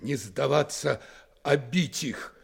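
An actor playing a gruff, determined army sergeant major with a gravelly, husky voice in a Soviet radio drama. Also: male voice, mid-range voice, takes it slowly, exaggerated voice. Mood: resolute.

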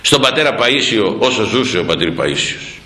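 A man, a priest, preaching a sermon as animated storytelling, asking rhetorical questions and repeating words. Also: lowish voice, reverberant, rough recording. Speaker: priest, former head of a parish church.

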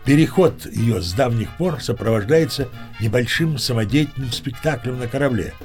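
Actor playing a pompous old sea captain, Captain Vrungel. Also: male voice, mid-range voice, expressive, darkish tone, soft background music, lightly acted. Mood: nostalgic, savouring. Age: older. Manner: leisurely, pompous, savouring pauses and asides. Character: old sea captain, theatrical, self-important raconteur of tall tales. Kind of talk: dramatised audiobook storytelling.

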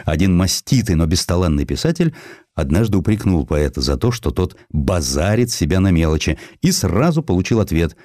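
Male narrator, deep voice, mellow tone, theatrical literary storytelling, dry studio sound. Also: very animated, a little fast, no room sound. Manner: theatrical, declaiming verse and acting out quotes. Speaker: audiobook narrator. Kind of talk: expressive scripted literary narration of a historical essay.

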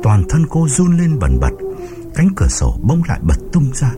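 A man's voice: mid-range voice, huge pitch swings, moderate pace. A man narrating a ghost story in a suspenseful, dramatic audiobook style, over background music.

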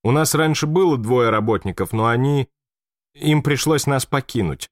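A man voicing a polite, eager young upper-class Englishwoman, raising his pitch to sound girlish in an audiobook reading. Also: lively intonation, normal speed, no room sound, clean studio sound, close to an everyday voice. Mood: polite, earnest.

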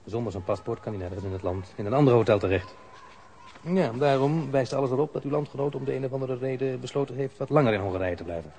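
An actor playing a courteous, evasive police official in a radio play, speaking in a measured, officious way. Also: male voice, mid-range voice, warm tone, a little hiss or hum, lightly acted. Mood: guarded, officious. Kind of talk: Dutch radio play acting.

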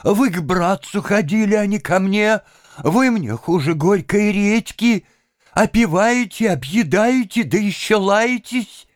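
A fed-up townswoman scolds in a high, pushed voice, as a male narrator puts her on. Her words come sharp and pointed, and the recording is dry and close. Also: lively intonation, slow, dry recording. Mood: scolding.

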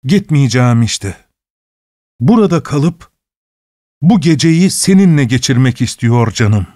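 A man voicing a calm, cheerfully defiant male prisoner in a read-aloud story, with a mocking, unhurried manner. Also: mid-range voice, no echo, clean studio sound, natural voice. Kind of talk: audiobook character reading.

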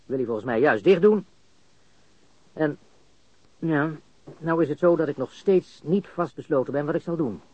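Agitated male murder suspect, husky, stammering, coarse and cocky, radio crime drama, dull recording. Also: fairly high pitch, lively intonation, moderate pace, pauses often, a little mellow. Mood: tense, brooding. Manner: stammering, repeats words, breaks into chuckles.

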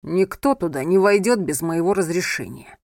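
A woman reading aloud and voicing an angry, controlling young husband who scolds his wife in a low, hard tone. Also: lively intonation, normal speed, darkish tone, dry recording, studio quality. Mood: commanding. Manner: harsh, scolding, hard-edged.

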